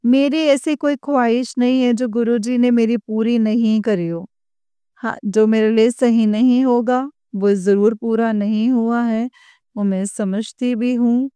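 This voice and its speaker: A woman shares a devotional story in an earnest, heartfelt way. Her fairly high voice is smooth and clear, and she speaks slowly. The sound is dry and close. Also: steady tone, dark tone, no room sound. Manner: earnest, repeatedly addresses listeners as congregation; emotional, heartfelt. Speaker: devotee sharing an experience. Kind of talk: devotional testimony to listeners.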